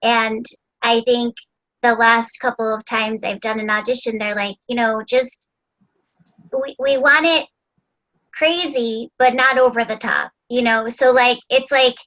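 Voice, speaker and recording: A woman's voice: on the high side, steady tone, a little slow, fairly bright tone, highs cut off. A woman host and voice actor chatting casually, with a chatty way of talking full of "like" and "you know.". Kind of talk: casual interview chat.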